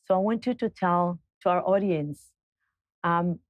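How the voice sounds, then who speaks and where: A woman's voice: on the low side, a little slow, dry recording, lo-fi sound. A woman whose first language is Portuguese, hosting an interview show, moving from a scripted introduction to casual chat. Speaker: talk show host.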